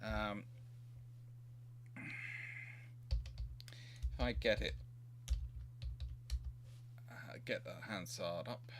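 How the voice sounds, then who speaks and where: Halting man in casual live chat. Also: lowish voice, background noise. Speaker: host of a naval history Q&A chat show.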